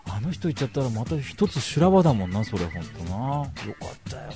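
A man's voice: mid-range voice, very animated, a little fast, over music. A man hosting an online radio show, talking in a casual, rambling monologue full of slangy rants and self-mockery. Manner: ranting, slangy, self-mocking.

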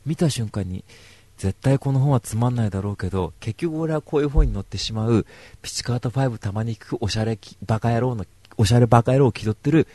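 A man's voice: mid-range voice, fast, dark tone, dry recording. A man giving a casual, rambling book review, wry and self-mocking.

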